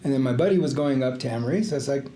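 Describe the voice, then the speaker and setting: A man's voice: mid-range voice, mellow. Reflective older man in an echoey room. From Panama Canal Zone. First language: Greek. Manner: reflective, halting with fillers and restarts, laughs easily. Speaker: retired judge, podcast guest. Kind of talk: casual interview chat. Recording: echoey room, faint background noise.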